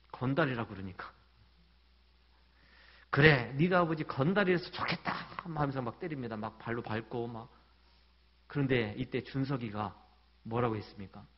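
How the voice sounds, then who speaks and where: A male pastor preaches a Sunday sermon in a chatty, storytelling way with touches of humor. His voice sits at a medium pitch. The church recording sounds somewhat dull and muffled. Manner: conversational storytelling with light humor. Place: church sanctuary.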